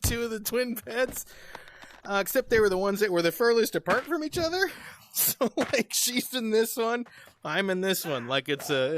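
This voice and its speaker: A man's voice: sits high, fairly bright tone, slight background noise. A man hosting a gaming channel, telling a rambling story in a casual way, often chuckling and restarting his sentences. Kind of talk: casual storytelling over gameplay.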